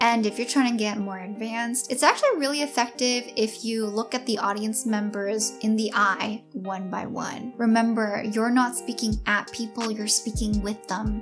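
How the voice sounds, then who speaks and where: A woman with fairly high pitch at a moderate pace, with music in the background. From Taiwanese-American. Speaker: product manager and YouTuber, leadership coach. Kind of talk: casual talk to camera, public speaking tips.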